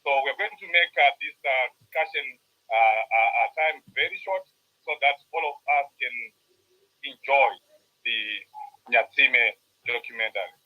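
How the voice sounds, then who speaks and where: A man's voice: medium pitch, measured pace, dull audio. A man from Zimbabwe giving opening remarks as radio host on a video call, earnest and hesitant. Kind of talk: opening remarks in an online panel.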